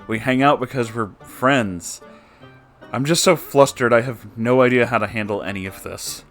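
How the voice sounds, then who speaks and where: A man voicing a flustered, earnest young storyteller in a halting, exasperated manner, as part of a read-aloud story. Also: mid-range voice, fairly bright tone, faint music behind, close to an everyday voice. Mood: flustered, shocked.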